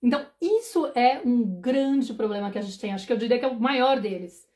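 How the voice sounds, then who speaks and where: A woman in her forties, a parenting mentor, giving a casual live talk, fast and conversational, often checking "understood?" and acting out anxious inner thoughts. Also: on the high side, animated, a little mellow. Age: 40s.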